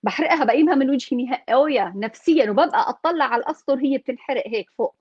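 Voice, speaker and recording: A woman's voice: high voice, racing, breathy edge, no echo. A woman who explains a practical exercise step by step and acts out example self-talk. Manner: instructive, walks through steps, acts out example self-talk. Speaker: guest coach. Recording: dry, dull lo-fi sound.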